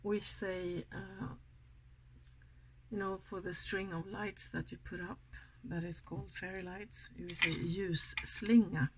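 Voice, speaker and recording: Give me a slow-talking, slightly low Swedish woman with a gravelly voice, chatting through a makeup look. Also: steady tone, a little hiss or hum, rough recording. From Sweden. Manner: soft-spoken, giggly, often drops to a whisper. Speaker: makeup vlogger. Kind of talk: casual makeup tutorial chat.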